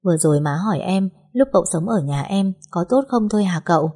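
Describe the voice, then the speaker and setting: A woman voicing a gentle young wife, speaking softly and politely. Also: on the low side, animated, quick pace. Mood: tender. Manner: soft, polite, pleading.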